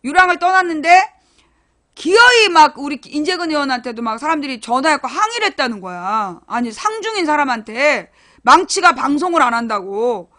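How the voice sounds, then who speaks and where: A woman talks straight to her live-stream audience in a bright, high voice. She is blunt and teasing, drops swear words freely, and tells her stories with lively animation. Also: a little fast. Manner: storytelling, animated retelling. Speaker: internet broadcaster. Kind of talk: casual live-stream chat to viewers.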